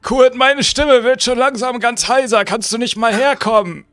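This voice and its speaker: A man voicing a decayed zombie uncle who pleads with a hoarse, strained voice, repeating the boy's name and restarting his sentences. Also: very high voice, normal speed, fairly bright tone, no echo, clean studio sound. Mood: coaxing. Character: undead zombie uncle, decayed, coaxing and weary.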